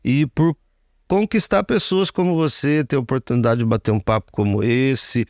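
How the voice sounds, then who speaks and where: A man's voice: mid-range voice, normal speed, darkish tone, no echo, studio quality. A man in his fifties, a radio broadcaster, giving an earnest interview testimony and speaking often of his faith. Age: 50s.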